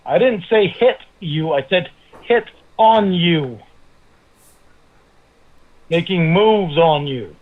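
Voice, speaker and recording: A man's voice: high voice, animated, slow, pauses often. A man calling in on speakerphone, irritated and repeatedly asking whether he can be heard. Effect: heard over a phone on speakerphone. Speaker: caller. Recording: tinny phone line.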